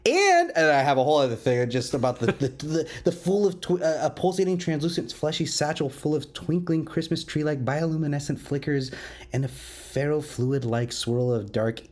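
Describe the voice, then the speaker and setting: A man's voice: fairly high pitch, lively intonation, a little mellow. Effusive man hosting a podcast roundtable. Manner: halting, effusive, repeats words as he searches. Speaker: podcast host interviewing creators. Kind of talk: enthusiastic roundtable interview.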